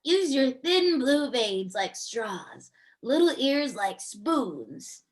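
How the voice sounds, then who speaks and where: A woman's voice: high-pitched, sing-song, drawn-out words, exaggerated voice. A woman playing a predatory child-eating clown monster in an amateur horror table read, savoring each phrase in a sing-song manner. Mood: hungry, savoring.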